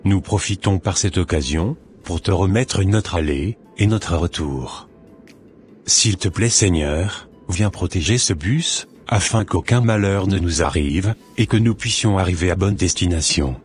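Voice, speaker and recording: A man's voice: deep voice, unhurried, faint music behind. A man playing a devout, earnest Christian who speaks solemnly and formally in a scripted Christian cartoon. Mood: solemn prayer. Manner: formal, solemn prayer delivery.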